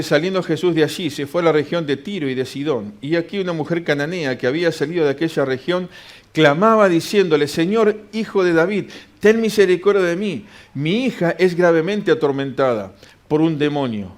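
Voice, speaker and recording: A man preaching a sermon in a church, reading scripture aloud and answering his own questions. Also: a little high.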